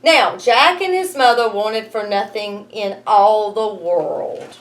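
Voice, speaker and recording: A woman's voice: medium pitch, slow. A woman, a teacher reading a story aloud expressively and adding wry explanatory asides. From United States. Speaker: schoolteacher reading aloud to students.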